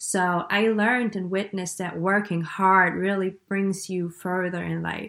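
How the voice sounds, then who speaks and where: With a German accent, a woman of medium pitch speaks at a fairly slow pace. The background is quiet. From East Germany. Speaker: podcast host, business mentor. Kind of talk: podcast trailer monologue.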